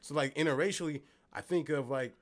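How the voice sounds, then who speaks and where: A man's voice: a little high, a little fast. A young man co-hosting a casual chat, loose and slangy, often laughing. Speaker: podcast co-host.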